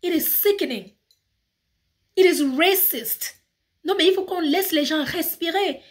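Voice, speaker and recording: A woman's voice: very high voice, a little slow. A woman with a Cameroonian accent, ranting passionately in a casual vlog and switching between French and English. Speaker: YouTuber. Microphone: phone.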